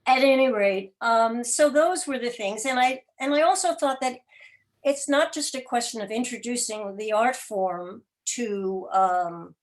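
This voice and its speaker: A mature woman speaking reflectively as an interview guest on a video call, articulate, with thoughtful pauses mid-sentence. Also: on the high side. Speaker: interview guest, theater podcast producer. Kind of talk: reflective conversational talk. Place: indoor room, video call.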